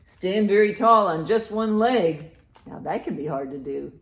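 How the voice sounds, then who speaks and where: A woman hosting a children's storytime in an animated, encouraging, sing-song way, with rhymes and picture-book reading. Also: mid-range voice, unhurried. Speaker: library storytime host. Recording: roomy, echoey indoor sound.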